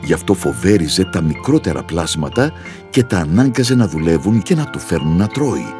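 Deep male narrator for a kids' storybook, animated and expressive. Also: over music.

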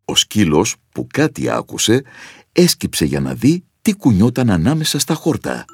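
A man narrating a children's story in an expressive, animated way. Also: lowish voice, vocal fry, slightly rough, no room sound, clean studio sound.

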